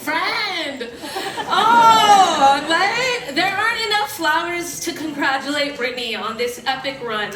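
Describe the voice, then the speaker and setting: Very high woman onstage in an echoey theatre. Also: lively intonation, slow pace, few pauses, background noise. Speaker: cast member giving a stage tribute. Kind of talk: onstage speech to an audience. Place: large theatre stage. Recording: echoey theatre from far off, loud cheering crowd. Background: cheering audience.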